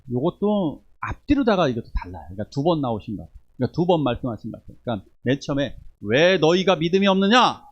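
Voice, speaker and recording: A man preaching a sermon as pastor, moving between forceful exhortation and quiet asides to the congregation. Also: mid-range voice, husky, muffled recording. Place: church sanctuary.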